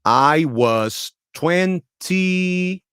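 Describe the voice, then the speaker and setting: A man in his thirties with a Brazilian Portuguese accent, a native Portuguese speaker, tells his own story slowly as an English lesson, repeating and rephrasing each sentence for learners. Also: on the high side, expressive, fairly bright tone, clean tone, dry recording, studio quality. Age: 30s.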